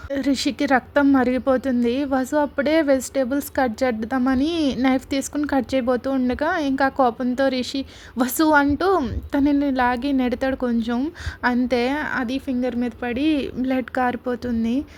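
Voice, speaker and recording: A woman narrating a romantic serial story in a steady, conversational way. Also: sits high, normal speed.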